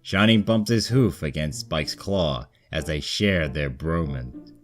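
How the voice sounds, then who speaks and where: A man's voice: rumbling low, slow pace. A man narrating scripted comedic fan fiction as a storyteller, with music behind him. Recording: background music under the voice.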